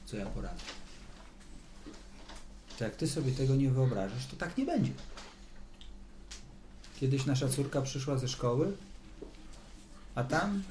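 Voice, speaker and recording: A man leads a Bible study in a voice that rises and falls widely, moving between middle and high notes. He talks to the group conversationally, firing questions and repeating words while he gathers his thoughts. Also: sing-song, measured pace, long pauses, darkish tone, a little hiss or hum. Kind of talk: lively Bible teaching to a group.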